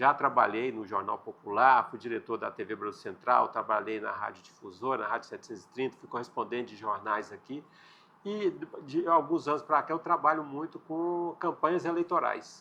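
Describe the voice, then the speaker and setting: A man with a fairly high, bright, sharp voice speaks at a moderate pace. His intonation is lively, and his loudness swings widely. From Brazil, Goiás (Goiânia and interior towns). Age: 60s. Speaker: journalist and political candidate. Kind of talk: interview.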